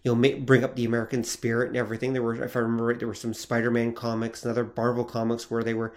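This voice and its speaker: A man's voice: medium pitch, completely flat delivery, rapid-fire, a little mellow. A man co-hosting a podcast in casual chat, agreeable and conversational, hedging a lot as he talks. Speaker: podcast co-host.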